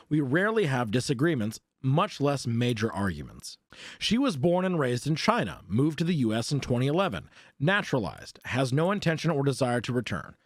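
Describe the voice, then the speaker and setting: A man's voice: on the high side, fairly bright tone. A man streaming, reading forum posts aloud and breaking off to react, swear and laugh.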